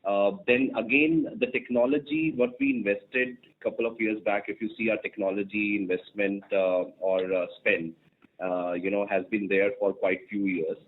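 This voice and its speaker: Lowish voice exec guy on a phone line, lots of uh and you know, slow to get there. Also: steady tone. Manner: halting, heavy fillers like uh and you know. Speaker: company finance executive. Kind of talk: earnings call answer.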